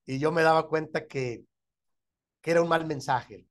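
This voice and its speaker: Mexican pastor lecturing a church class. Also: male voice, a little high, normal speed. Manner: keeps checking in with the listeners, chuckles often.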